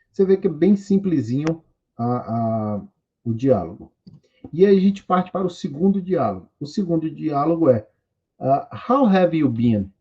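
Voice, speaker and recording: Brazilian male English teacher, 40s, warm mellow voice, rambling delivery. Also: medium pitch, slightly rough, muffled recording. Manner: rambling, self-correcting, reads English lines slowly. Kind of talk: recorded online class.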